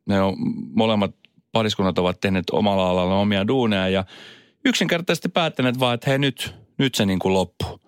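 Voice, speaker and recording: A man hosting a morning radio show who thinks out loud, pausing and circling back as he talks. His voice sits on the low side. The sound is dry and close, from a studio mic. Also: clear, resonant tone, no room sound. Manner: musing, halting, many fillers. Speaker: radio host. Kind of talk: casual radio chat.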